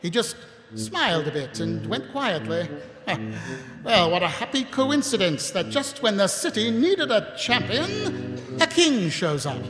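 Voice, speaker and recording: A man's voice: high-pitched, very animated, measured pace. A man playing a weary, sardonic middle-aged watch captain in live audio theatre, rambling and wry. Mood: wry musing. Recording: echoey live stage hall, music behind.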